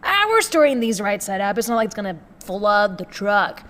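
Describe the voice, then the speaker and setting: An actress playing a quirky, brisk rebel quartermaster in an audio drama, rambling through a checklist with breezy asides, with a long echo on the recording. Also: female voice, medium pitch, big pitch swings, a bit bright. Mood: brisk, distracted.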